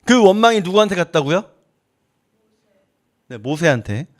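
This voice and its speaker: A man's voice: sits high, big pitch swings, moderate pace. A male pastor preaching a sermon, acting out little dialogues with God. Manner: preaching, acts out dialogues with God in shifting voices. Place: church.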